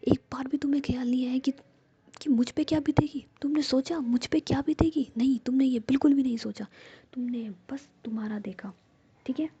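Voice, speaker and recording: A woman's voice: on the high side, steady tone, mellow, slightly rough, highs cut off. A woman whispering as an accusing young woman. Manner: reproachful, rapid questioning.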